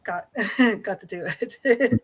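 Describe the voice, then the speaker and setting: A woman telling a personal story as an interview guest, speaking in a halting, tentative way. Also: fairly high pitch, breathy edge. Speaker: guest, new paranormal investigator.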